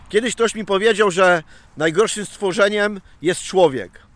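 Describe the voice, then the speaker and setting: A man talks at a fairly slow pace. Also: dry sound with no echo. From Poland, Nowa Sól; Poland. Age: 30s. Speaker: vlogger. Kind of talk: casual vlog monologue.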